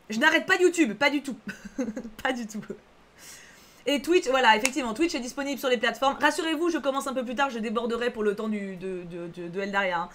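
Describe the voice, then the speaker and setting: A woman's voice: fairly high pitch, sharp tone, a little hiss or hum. A woman streaming live, chatting casually with viewers, reassuring and repeating herself with lots of fillers. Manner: chatty, reads chat aloud, frequent fillers.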